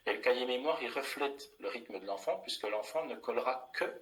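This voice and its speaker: A man's voice: medium pitch, expressive, fairly quick, a bit bright, a little hiss or hum, low-quality recording. A middle-aged man, a primary school teacher, explaining a classroom method in a plain, methodical way with many fillers and restarts.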